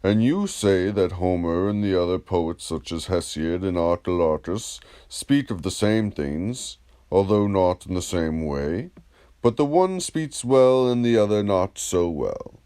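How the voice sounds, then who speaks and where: A man plays a wise ancient philosopher in an audiobook dialogue. He questions politely and methodically in a low, mellow voice, unhurried, with lively rises and falls. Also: clear, resonant tone. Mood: methodical reasoning. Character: wise, courteous Greek philosopher, patiently probing.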